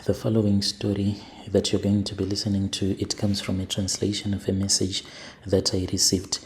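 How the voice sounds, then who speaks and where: A man hosting and narrating a listener's confession as a story, in a deliberate, plain manner. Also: low voice, completely flat delivery, a little hiss or hum. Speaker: host and narrator.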